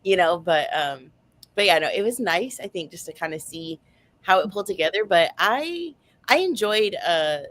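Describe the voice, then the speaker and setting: Lower-pitched woman chatting casually about books. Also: lively intonation, normal speed, fairly bright tone. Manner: rambling, heavy use of like and you know. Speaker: book club panelist. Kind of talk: casual book chat.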